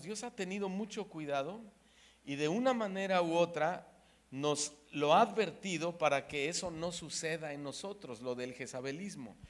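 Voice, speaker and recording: Preaching a sermon in a voice that's a little high, this Mexican man swings from loud emphasis to hushed asides and performs the voices of the people in his stories.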